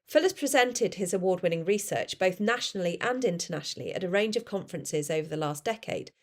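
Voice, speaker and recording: A woman hosting a podcast who reads a guest introduction in a clear, measured way and then asks conversational questions. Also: on the low side, expressive. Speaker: podcast host.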